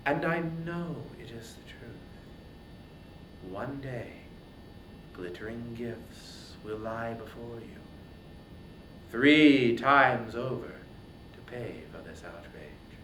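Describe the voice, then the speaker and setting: A man voicing a commanding war goddess in an epic tale, solemn, composed and measured. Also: mid-range voice, fairly bright tone, recorded from a distance. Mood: urgent command. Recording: roomy echo, faint background noise.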